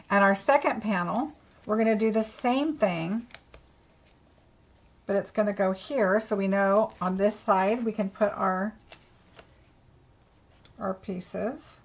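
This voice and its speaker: Woman, mid-pitched voice, craft class host, casual, chatty, step-by-step live tutorial, thinking aloud. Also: slow, long pauses, husky, rough recording. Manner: chatty, talks through each step to herself.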